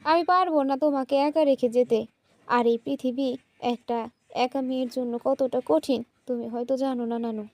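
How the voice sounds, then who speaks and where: Woman doing a crying young girl, pleading, high voice. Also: steady tone, moderate pace, a little mellow, no echo, natural voice. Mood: tearful. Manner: tearful, pleading. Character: young woman student, mistreated and tearful.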